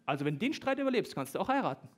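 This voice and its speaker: A young adult man preaching a sermon as pastor, lively and joking, sometimes talking faster than he thinks. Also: high voice. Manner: lively, joking, talks fast at times.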